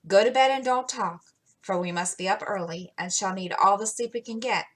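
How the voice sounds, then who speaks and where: A woman reading the lines of a gentle mother putting her daughters to bed. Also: medium pitch, moderate pace, lightly acted. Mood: tender. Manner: gentle, tender. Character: gentle loving mother of four girls.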